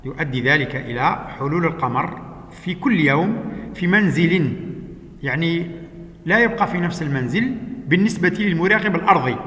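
A man teaching a lesson, working through exercises step by step with patient explanations and frequent "uh" pauses. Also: on the high side, sharp tone. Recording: echoey room with long reverb.

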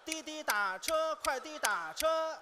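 A man performing comic crosstalk, half singing a story in a deadpan, sing-song way to the beat of clapper boards on a theater stage. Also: very high-pitched, takes it slowly, over a noisy crowd.

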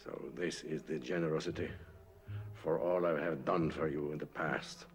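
An actor playing a weary, defiant very old man in a mid-century war film, speaking gravely and resentfully. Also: extremely low pitch, steady tone, moderate pace, a little hiss or hum. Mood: bitter. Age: older. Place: cluttered indoor tailor's workroom.

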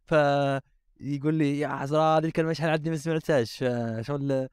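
A man's voice: a little high, steady tone, fairly quick, darkish tone, smooth, no room sound, clean studio sound. A man with an Algerian Arabic accent, co-hosting a casual podcast in a jokey, chatty way. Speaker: podcast co-host.

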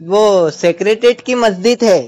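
A man's voice: sits high, normal speed, darkish tone. A man with a Hyderabadi accent on a phone call, persistently needling yet addressing the listener politely. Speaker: caller. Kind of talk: phone conversation, complaint.

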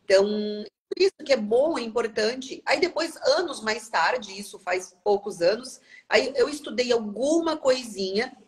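A woman's voice: fairly high pitch, animated, moderate pace. A woman in her thirties hosting a casual interview over a video call from a small office, chatty, with many restarts. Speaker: interviewer host. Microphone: video call, webcam.

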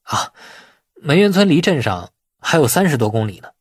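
A man's voice: a little high, big pitch swings, normal speed, slightly rough, no echo, studio quality. A man voicing a capable, composed male company boss in an audiobook, talking matter-of-factly.

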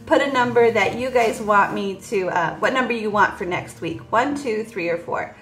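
A woman in her forties, vlogging about budgeting, talks casually to viewers while counting cash at an indoor table, seen from above with only her hands in frame. Her voice is medium-pitched, fairly bright and moderately paced, with reverberation.

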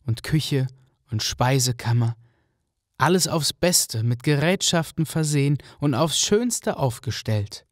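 A man narrating a fairy-tale radio play in a calm, clear storytelling manner. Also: medium pitch, dry recording, clean studio sound. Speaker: narrator, also voicing the fisherman.

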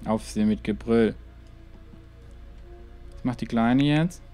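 A man's voice: medium pitch, takes it slowly, warm tone, soft background music. A man hosting a let's play, talking casually to his game characters with muttered asides and frequent exclamations. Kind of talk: gaming commentary.

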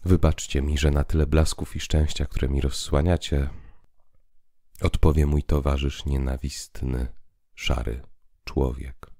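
A man's voice: very deep voice, little pitch movement, unhurried, mellow, no room sound, studio quality, full character voice. A man voicing a bitter, despairing freed prisoner who declaims solemnly in a dramatic literary monologue. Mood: weary, bitter.

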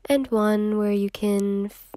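Slow, mellow woman guiding meditation. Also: medium pitch, fairly even intonation, no room sound. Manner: slow, soothing, unhurried with long pauses. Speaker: meditation guide. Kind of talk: guided meditation.

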